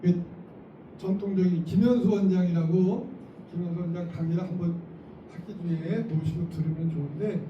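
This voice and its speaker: A middle-aged man giving a lively lecture to teachers in a school auditorium, often acting out classroom lines and laughing. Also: sits high, moderate pace, lo-fi sound. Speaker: teacher trainer. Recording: echoey hall, mic from far off, noisy.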